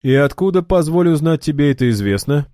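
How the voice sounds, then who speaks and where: A man's voice: on the high side, lively intonation, mellow, no room sound, studio quality, voice pushed up, close to an everyday voice. A man voicing a hot-tempered young fighter who taunts and snaps at his foe in a raised voice. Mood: brash. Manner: sarcastic, taunting, quick to anger.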